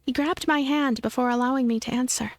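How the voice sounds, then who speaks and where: A woman doing expressive story narration for a visual novel let's play. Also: high voice, fast talker, no echo. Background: game music.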